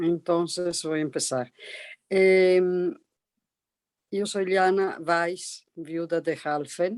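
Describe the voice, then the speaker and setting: A woman with an Italian accent at a fairly low pitch, very slow pace, fairly even intonation and long, frequent pauses. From Italy (Fiume/Rijeka). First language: Italian (speaking Spanish). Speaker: Holocaust survivor. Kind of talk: testimony.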